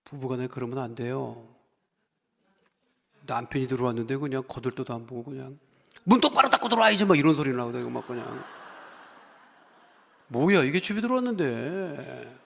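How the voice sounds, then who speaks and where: A middle-aged man preaching a folksy, joking sermon, acting out quoted voices and building to loud appeals. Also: medium pitch, normal speed, creaky, long pauses. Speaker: pastor. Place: church sanctuary. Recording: long church hall reverb.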